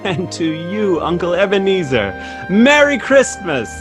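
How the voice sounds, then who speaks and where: An actor playing a hospitable younger nephew hosting a party, effusive and welcoming, in a theatrical radio play. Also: male voice, sits high, big pitch swings, a little slow, over music. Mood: fond.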